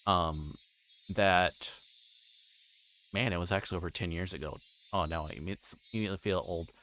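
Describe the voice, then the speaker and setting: A man hosting a livestream, chatting casually in a halting, rambling way and often repeating words as he plays a game. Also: low-pitched, fairly bright tone, a little hiss or hum. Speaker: livestream host. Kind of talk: casual livestream chat while playing a visual novel.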